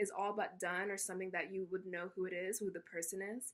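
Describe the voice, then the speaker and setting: A woman talks at a very fast pace. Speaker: tarot reader. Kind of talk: tarot reading monologue. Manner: mumbly, fast.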